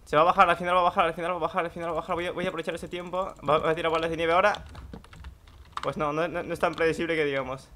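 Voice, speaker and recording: A young man giving live gameplay commentary, excitable, swearing and bursting into shouts. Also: a little high, rapid-fire, slight background noise. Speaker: gaming YouTuber.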